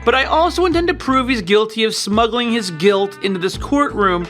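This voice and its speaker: A man voicing an eager, excitable cartoon police mouse who bursts into shouts. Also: high voice, moderate pace, soft background music. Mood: excited. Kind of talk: cartoon voice acting.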